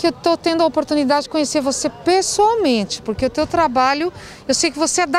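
Fairly quick and high-pitched, a woman talks with ordinary pitch variation in dry sound with no echo over light background noise. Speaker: TV reporter. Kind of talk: TV show host interview on location. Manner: chatty, enthusiastic, friendly. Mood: warm, friendly. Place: street. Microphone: handheld.

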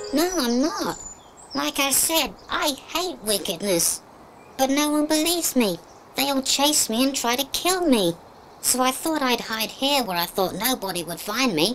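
In a cartoonish character voice, a high-pitched, female-sounding speaker talks at a moderate pace over clear background noise.

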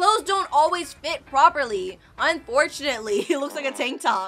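A woman's raised, projected voice over faint music in the background. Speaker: reaction video creator. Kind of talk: casual reaction commentary. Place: home room.

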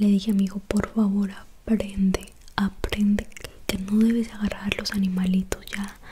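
Soft-spoken and whispering, a woman speaks at a moderate pace against noticeable background noise. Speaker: vlogger. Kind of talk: casual vlog storytelling. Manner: soft close-mic whisper. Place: home room.

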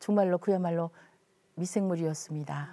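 A woman speaks at a moderate pace in a medium pitch. Her tone is dark and mellow. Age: 70s. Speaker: health lecturer. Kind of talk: lecture. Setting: studio. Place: studio.

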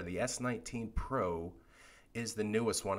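A man's fairly low voice, an ordinary speaking voice with ordinary pitch variation. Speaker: tech youtuber host. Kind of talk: livestream Q&A chat. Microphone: studio mic.

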